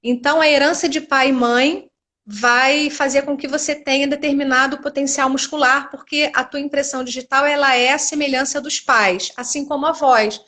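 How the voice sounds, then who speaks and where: A woman's voice: sits high, fairly even intonation, moderate pace, pushed and bright. A middle-aged woman, a speech therapist, explaining voice topics with everyday examples over a video call. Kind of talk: explanatory live-stream chat.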